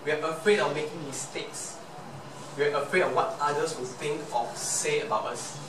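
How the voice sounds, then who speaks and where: A young man from Malaysia with a Malaysian English accent, a Chinese native speaker giving an earnest motivational speech full of rhetorical questions. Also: a little high. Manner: earnest, rhetorical questions, slow emphatic repeats. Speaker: club speaker. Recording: echoey room from far off, noisy.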